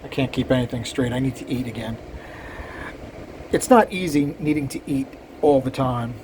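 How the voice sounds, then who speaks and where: A man's voice: mid-range voice, moderate pace, a little mellow, a little hiss or hum, poor audio. An older man, a cylinder head porter, casually talking shop to his viewers in a rambling, self-deprecating way with many fillers. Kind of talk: casual shop talk to camera.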